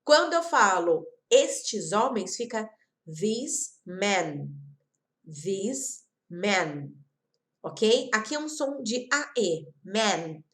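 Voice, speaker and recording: A woman from Brazil teaching an online English lesson, repeating example words slowly and talking straight to her viewers. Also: mid-range voice, very animated, fairly bright tone. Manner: slow, careful repetition of example words; chatty, addresses viewers directly.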